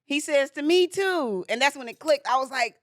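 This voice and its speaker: A woman's voice: high-pitched, lively intonation, normal speed, fairly bright tone, no echo, studio quality. A woman in her forties co-hosting a podcast, telling a story in casual chat and laughing easily. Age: 40s. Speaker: podcast co-host.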